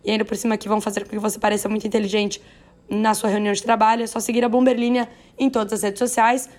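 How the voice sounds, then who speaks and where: A hoarse, raspy-voiced woman with a Brazilian accent, hosting a news podcast in a chatty, playful way with self-deprecating asides. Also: medium pitch, flat delivery, fast talker, a little mellow. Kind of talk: chatty, conversational news narration.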